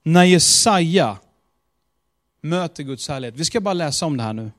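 A man delivers a sermon, building his points through emphatic repetition and dropping into casual asides. His voice sits somewhat high for a man. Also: expressive. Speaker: preacher.

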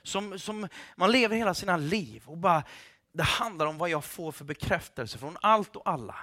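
A man delivers a passionate sermon with a high, bright voice. He swings between quiet, earnest stretches and loud, fervent bursts. He sprinkles casual English phrases into his preaching. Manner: passionate, shouting at times, mixes in English phrases. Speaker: pastor.

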